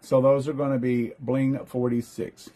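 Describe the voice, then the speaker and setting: A man's voice: medium pitch, level tone, normal speed, dark tone, slight background noise. A man hosting a casual live-stream jewelry sale, chatty and upbeat, greeting viewers by name as he shows each piece.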